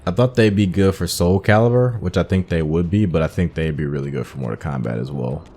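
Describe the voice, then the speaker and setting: A man's voice: low voice, fast, warm tone, husky, soft background music. A man giving casual, informal playthrough commentary as a gaming video host, thinking aloud as he goes.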